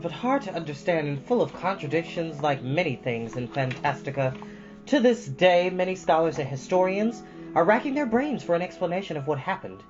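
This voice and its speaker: Guy reading a story out loud, expressive storyteller phrasing, kinda lo-fi, faint guitar behind. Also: a little high. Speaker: host of a storytime reading show. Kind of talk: expressive storybook read-aloud. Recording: dull lo-fi sound with music behind.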